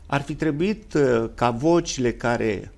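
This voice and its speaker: A man with a Romanian accent speaking as a guest commentator in a formal political discussion, using elaborate, lofty academic phrasing with long pauses. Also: medium pitch, gravelly, a little mellow.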